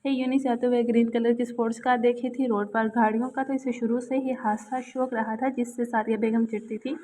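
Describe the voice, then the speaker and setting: A woman's voice: fairly high pitch, flat delivery, brisk, mellow, slight background noise. Woman narrating a romance novel. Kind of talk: audiobook narration.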